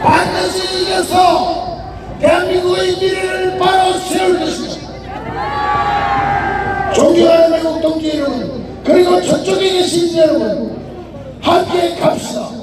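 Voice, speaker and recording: A man giving an impassioned political rally speech as its leader, shouting in an emphatic, declamatory way. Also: very high voice, steady tone, measured pace, long pauses, very noisy. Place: outdoor street rally in front of a detention center. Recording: echoing loudspeaker outdoors, distant, crowd and music. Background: crowd and music.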